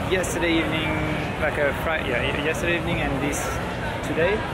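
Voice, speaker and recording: Clear music plays behind a man as he speaks. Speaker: motorcycle traveler vlogger. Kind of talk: casual vlog chat. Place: street. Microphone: phone near.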